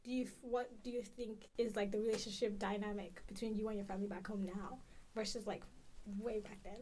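A young woman co-hosting a podcast, asking questions casually and encouraging her guest with steady mm-hmms. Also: medium pitch, fairly quick, slight background noise. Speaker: podcast co-host. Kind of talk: casual interview.

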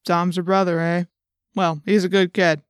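Woman playing audiobook cop: adult man, folksy and clipped, probing, quietly menacing, dry close sound. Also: on the low side, flat delivery, normal speed, clean tone, dry recording, close to an everyday voice. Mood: falsely friendly. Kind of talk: audiobook character voice.

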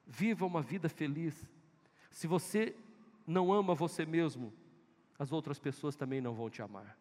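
A man's voice: fairly high pitch, moderate pace, darkish tone. A male pastor with a Northeastern Brazilian accent, preaching an emphatic sermon full of repeated exhortations in a church. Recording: echoey church hall.

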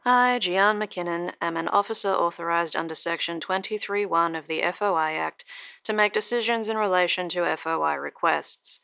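A woman's voice: lowish voice, moderate pace, gravelly, sharp tone. A woman playing a formal, unyielding government records officer reading out official correspondence in an audio drama. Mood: officious.

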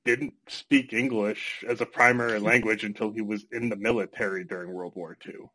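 Male podcast co-host, lowish voice, brisk and chatty. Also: fairly even intonation, bright, forceful tone, slightly rough, low-quality recording. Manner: brisk, opens the show with a scripted intro. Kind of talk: casual podcast chat.

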